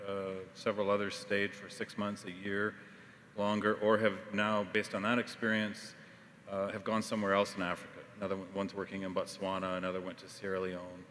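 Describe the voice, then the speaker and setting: A man panelist with a slightly low voice, speaking steadily and filling his pauses with "uh." A long hall reverb and faint noise hang around him. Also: monotone, a bit bright. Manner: measured, with frequent uh fillers. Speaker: panelist, journalism educator. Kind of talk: panel discussion.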